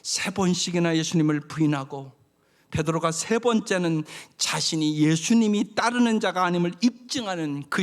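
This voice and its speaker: A man preaching a sermon as pastor, with emphatic exhortations that drop at times to hushed, whispered lines. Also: a little high.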